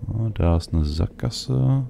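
A man's voice: fairly low pitch, animated, slow pace, gravelly, dark tone, slight background noise. A man giving casual video game commentary as a let's play host, thinking aloud as he goes. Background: faint game ambience.

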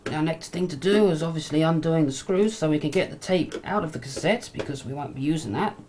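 A woman with a fairly low voice talks through a hands-on demonstration in a casual way. Her explanation comes haltingly. The amateur camcorder sound carries light noise behind her. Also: darkish tone. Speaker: hobbyist video maker, demonstrator. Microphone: camcorder microphone near the bench.

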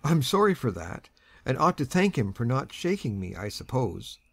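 A woman's voice: rumbling low, big pitch swings, normal speed, creaky, slightly rough, no room sound, voice pushed down, heavily acted. A woman voicing a stern, irascible old grandfather who talks sharply and blusters. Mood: blustering, gruff.

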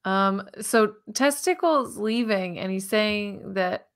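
A woman's voice: mid-range voice, slow, clean tone, no echo, clean studio sound. A woman in her thirties co-hosting a casual livestream chat from home on a video call. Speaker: podcast co-host.

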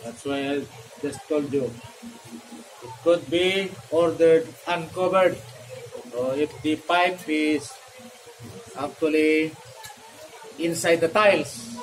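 A middle-aged man teaches in a classroom, speaking very slowly and leaning on fillers and rhetorical questions. His voice sits a little high, with a faint hum of room noise behind it. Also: rough recording. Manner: slow, questioning, with many fillers. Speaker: lecturer. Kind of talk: classroom lecture on plumbing code. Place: classroom with a whiteboard.

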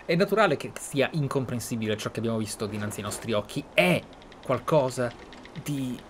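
A man's voice: mid-range voice, lively intonation, brisk. Casting: male gameplay host, mid-range voice, thoughtful explainer, some game ambience underneath. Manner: reflective, explanatory. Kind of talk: role-play game commentary. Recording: clear background game ambience noise.

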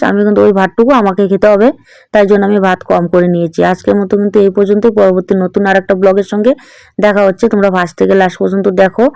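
A woman's voice: medium pitch, vocal fry, darkish tone, clear, resonant tone, no room sound. Chatty woman with a Bangal lilt. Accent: Bangal (East Bengal) Bengali. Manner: chatty, keeps checking in with tag questions. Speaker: vlogger. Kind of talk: casual home vlog narration.

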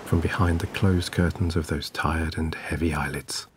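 A man narrating a scripted guided sleep meditation in a soothing, gentle, measured way. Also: extremely low pitch, fairly even intonation, slight background noise. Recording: clear background ambience of waves. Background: relaxing ocean wave sounds.

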